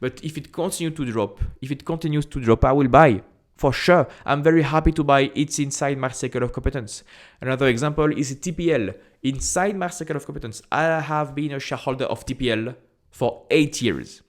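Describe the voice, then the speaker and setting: An investing YouTuber from France, with a strong French accent and a mid-range voice, speaks casually and straight to camera. He is chatty and direct, repeats phrases and often pauses on "uh".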